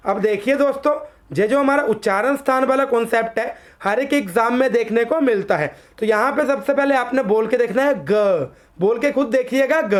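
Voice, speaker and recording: A woman teaching an online exam-prep lesson. She addresses viewers as friends, slowly sounds out letters for them to repeat, and poses quiz questions that she answers herself in a lower voice.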